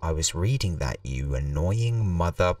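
Very deep-voiced man streaming a game. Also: lively intonation, measured pace, darkish tone, dry recording, distant mic. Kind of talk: casual live game commentary.

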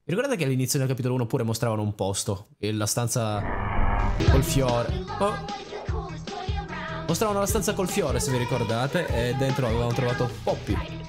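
A man's voice: medium pitch, fairly quick, loud music behind the voice. A young man giving casual, rambling, joking let's play commentary with theatrical reactions. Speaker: gaming channel host.

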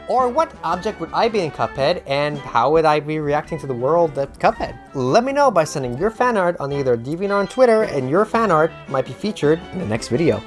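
A man in his twenties giving rambling, theatrical comedic commentary as a YouTube host, often interrupting himself, speaking into a close handheld microphone. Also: high voice. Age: 20s. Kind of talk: comedic fandom commentary to camera. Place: small bare-walled room indoors. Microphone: handheld microphone close to the mouth. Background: background music.

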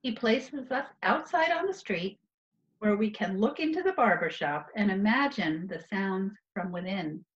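A woman's voice: medium pitch, expressive, a little slow. A middle-aged woman curator giving educational art commentary and putting questions to viewers from a room at home over a video call. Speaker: museum curator. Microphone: computer mic on a video call. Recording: dull, lo-fi video call audio.

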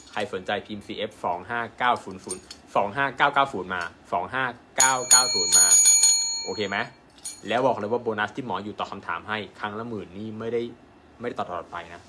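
A man, a doctor, giving an animated live-stream sales pitch and asking his viewers rhetorical questions. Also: noisy background. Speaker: acupuncture doctor selling an online course.

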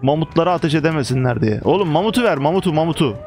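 Young male gamer, slightly high voice, excitable running commentary, faint music underneath. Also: racing. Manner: excitable, chanting urgent commands at units. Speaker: gaming YouTuber. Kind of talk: casual gameplay commentary.

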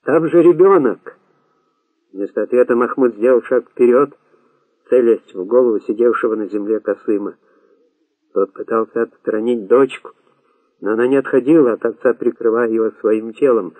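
A man narrating an audiobook in a steady, dramatic reading style. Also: medium pitch, normal speed, no room sound. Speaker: audiobook reader. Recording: tinny phone-like sound.

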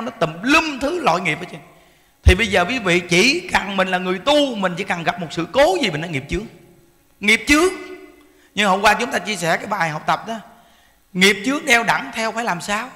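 Animated monk preaching. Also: male voice, sits high. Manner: folksy, animated storytelling with quoted voices. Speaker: Buddhist monk teacher. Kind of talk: sermon. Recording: long hall reverb.

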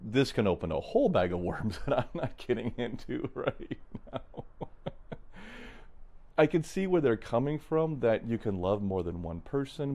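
Traveling in an RV, a podcast host with a low, mellow voice muses alone on his solo show. His talk is thoughtful and unscripted, full of restarts and the occasional chuckle as he thinks out loud.

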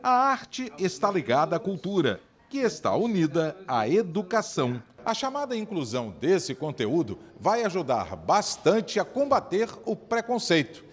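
Male TV reporter, scripted narration, animated and slightly high. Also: moderate pace, husky. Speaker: news reporter.

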